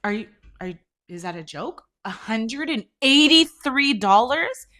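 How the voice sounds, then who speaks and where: A woman's voice: a little high, unhurried. A woman, hosting a casual podcast, chatty and blunt, and congested from allergies. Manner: chatty, venting, animated, swears freely. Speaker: podcast host. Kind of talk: casual chat, storytelling.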